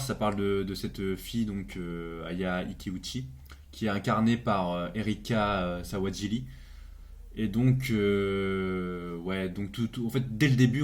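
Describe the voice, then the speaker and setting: A man's voice: lowish voice, darkish tone. A young man casually reviewing a drama series, with lots of hesitation, fillers and restarts. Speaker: video creator reviewing a series.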